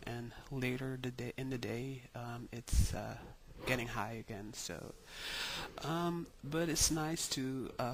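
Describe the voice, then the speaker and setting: Young male vlogger, mid pitch, very slow and hesitant, faint background noise. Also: fairly bright tone, low-quality recording. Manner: hesitant, many ums and pauses. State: tired. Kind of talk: casual video diary.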